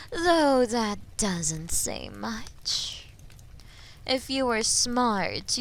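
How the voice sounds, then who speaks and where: A woman playing a haughty, menacing female dragon in an audio roleplay, imperious and mocking, with a breathy voice that often drops into whispers. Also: mid-range voice, slight background noise. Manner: imperious, mocking, slow and deliberate. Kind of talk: scripted audio roleplay addressed to listener.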